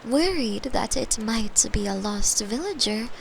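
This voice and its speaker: A woman playing a caring, playful young girlfriend in an intimate ASMR bedtime roleplay, gentle and soothing, sometimes slipping into whispers. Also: a little high, animated, a little slow, gravelly, slight background noise, poor audio. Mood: soft storytelling. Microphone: close microphone, made for headphones.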